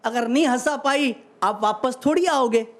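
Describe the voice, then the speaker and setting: Deadpan male comic poet reciting. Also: extremely high pitch, moderate pace. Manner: deadpan, repeats lines for effect. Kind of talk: reciting comic poetry on stage.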